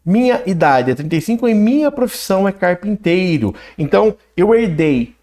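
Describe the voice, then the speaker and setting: A man walks through code in a casual tutorial voice. His voice sits slightly high and swings up and down a lot as he explains. He talks while typing and checks in with quick "né?" and "ok?" asides. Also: very animated, a little mellow. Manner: talks while typing code, reads output aloud, frequent "né?" and "ok?". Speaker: programming instructor. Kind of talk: screen-recorded coding tutorial.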